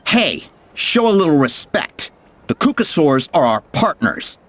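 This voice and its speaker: Indignant, animated tribal flier. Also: female voice, sits low, a little slow, exaggerated voice. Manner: outspoken, reproachful. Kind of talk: video game voice acting.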